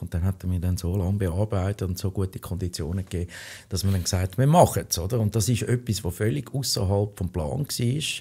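A man with a very deep, low pitch and a dark, mellow tone speaks very fast, somewhat breathy, with ordinary pitch variation. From Switzerland. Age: 50s. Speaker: restaurant owner; podcast guest. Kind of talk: interview. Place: studio. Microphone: studio mic.

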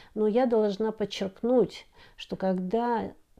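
Against a quiet background, a woman's dark, mellow voice carries fairly even intonation. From Kazakhstan. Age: 60s. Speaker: former TV executive and political video blogger. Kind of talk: monologue to camera. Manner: halting, with fillers. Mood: calm, serious. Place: home room.

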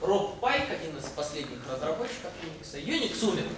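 Over light background noise and audible room echo, a high-pitched man talks at a fairly slow pace, his pitch swinging very widely. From Moscow, Russia. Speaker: university lecturer. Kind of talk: lecture. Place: classroom. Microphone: camera far.

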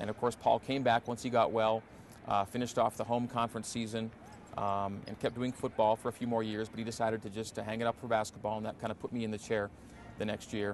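Against light background noise, a man speaks very fast in a monotone, flat intonation, the sound dry with no echo. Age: 40s. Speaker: sports play-by-play radio broadcaster. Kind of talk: interview. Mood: relaxed, reminiscing, smiling.

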